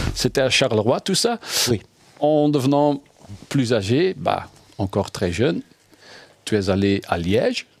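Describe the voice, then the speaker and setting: A man speaks at a very slow pace with long, frequent pauses and very wide pitch swings. His loudness stays very even, and the sound is dry and close with no echo. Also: medium pitch for a man. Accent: Dutch. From Flanders, Belgium. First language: Dutch (speaking French). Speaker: podcast host. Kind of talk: interview. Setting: streaming studio.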